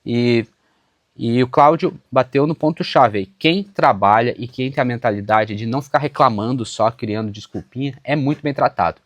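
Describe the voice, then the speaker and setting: A man's voice: medium pitch, moderate pace, no room sound. A man with a southern Brazilian accent from Santa Catarina, talking casually and emphatically to his viewers as he answers comments, recorded outdoors. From western Santa Catarina, southern Brazil. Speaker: YouTuber on public service exam preparation. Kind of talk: casual direct-to-camera commentary, responding to comments. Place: outdoors on a small farm.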